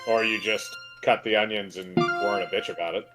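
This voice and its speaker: A man's voice: fairly low pitch, fairly even intonation, brisk, over loud music. A man co-hosting a game stream, trading casual, blunt banter and reading dialogue. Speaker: co-host of game stream, voicing lines.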